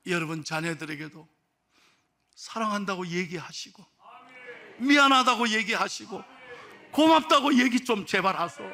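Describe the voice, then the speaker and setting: High gravelly pastor preaching. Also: male voice. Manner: swings from hushed storytelling to loud exhortation. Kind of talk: sermon. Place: church sanctuary.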